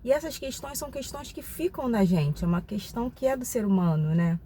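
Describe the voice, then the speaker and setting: A woman's voice: fairly high pitch, lively intonation, brisk, dark tone, a little hiss or hum. Reflective Brazilian woman in her forties. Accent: Brazilian Portuguese. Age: 40s. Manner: reflective, confiding, frequent tag questions. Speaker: channel host. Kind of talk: casual personal vlog talk.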